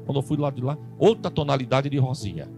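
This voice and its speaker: A Brazilian man preaching, telling a funny testimony and acting out the dialogue in an animated storytelling way. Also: mid-range voice, fast, gravelly, over music. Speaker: pastor.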